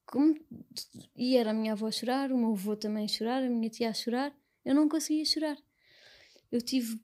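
Soft-spoken Portuguese woman, mellow tone. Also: fairly high pitch. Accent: European Portuguese. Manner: soft, halting, reflective. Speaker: interview guest. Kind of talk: personal conversation.

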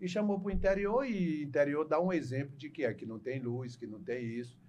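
A middle-aged comedian swaps jokes in a relaxed chat, animated and quick to laugh. His voice sits a bit high for a man, and he shifts into dramatic recitation at times. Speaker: comedian guest. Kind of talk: joke telling in casual chat.

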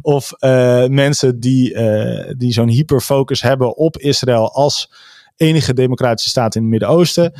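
A man's voice: mid-range voice, moderate pace, darkish tone, no echo, clean studio sound. Hesitant Dutch-speaking man in conversation. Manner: hesitant, many fillers and restarts. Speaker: guest discussing a report. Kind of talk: casual conversational discussion.

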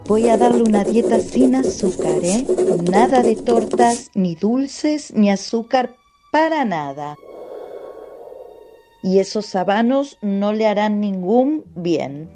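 A woman voicing a nurse who talks slowly and soothingly, as if to children, in a radio play. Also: medium pitch, animated, over music. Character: brisk female nurse, then grand witch. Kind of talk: radio drama acting.

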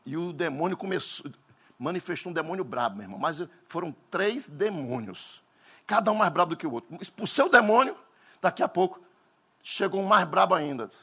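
A Northeastern Brazilian man preaching a Pentecostal sermon, telling stories dramatically and bursting into shouts. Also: sits high, very animated, fairly quick, breathy edge.

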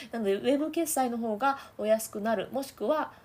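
A woman's voice: on the high side, normal speed, darkish tone, slightly rough. A woman, a voice trainer hosting a chatty podcast, laughing often and trying out voice placements as she explains them. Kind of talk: casual audio podcast talk.

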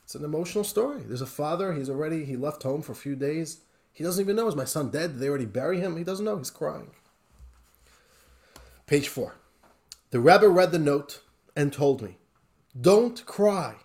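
Man, rabbi type leading a class, higher voice, very lively pitch, storytelling. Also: brisk, pauses often. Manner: animated, conversational, with rising emotional emphasis. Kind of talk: Torah class lecture with storytelling.

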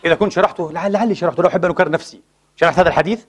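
A male preacher from Palestine delivers an impassioned sermon in a mosque. His voice sits high and he talks quickly, moving between casual everyday speech and formal phrasing. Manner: impassioned, mixes colloquial Arabic with formal speech. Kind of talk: Friday sermon.

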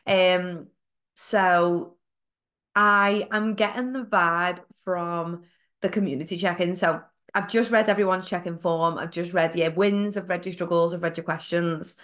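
A young woman chats through a solo fitness podcast, her voice nasal and bunged up from a cold. She sits a little low in pitch and keeps things friendly and encouraging, with plenty of ums and likes along the way. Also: fairly even intonation, a little slow, a bit bright. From United Kingdom. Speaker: podcast host, fitness coach. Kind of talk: casual solo podcast talk.

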